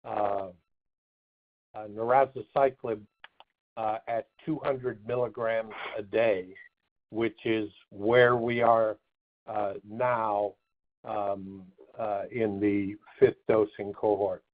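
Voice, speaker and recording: A man giving measured, halting technical answers as a chief medical officer on a muffled phone conference call. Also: fairly low pitch, flat delivery. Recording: muffled narrow phone line.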